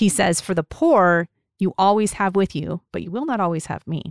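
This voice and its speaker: A woman's lively intonation in a very clean recording with a silent background, dry and close with no echo. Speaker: women's Bible teacher podcast host. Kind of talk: Bible teaching talk. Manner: fast; casual.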